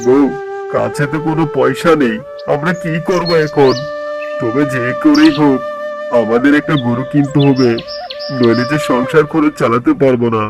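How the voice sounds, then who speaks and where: A man's voice: mid-range voice, moderate pace, over music, close to an everyday voice. A man voicing a poor, earnest village dairy farmer and family man in a cartoon story. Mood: worried. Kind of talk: Bengali cartoon story dialogue.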